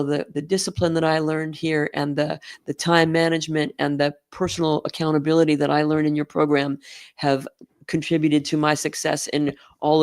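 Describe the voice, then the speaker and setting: A woman's voice: deep voice, no room sound, studio quality. A middle-aged woman, a school band director, talking as a guest in an interview, telling stories and laughing easily. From Oregon, US. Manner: warm storytelling, laughs easily. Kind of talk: conversational interview.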